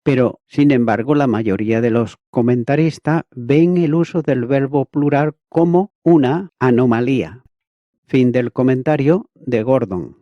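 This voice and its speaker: A man reading an expository Bible commentary in a measured, methodical way, as if teaching from a prepared text. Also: mid-range voice, dry recording. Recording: dull, lo-fi, dry recording.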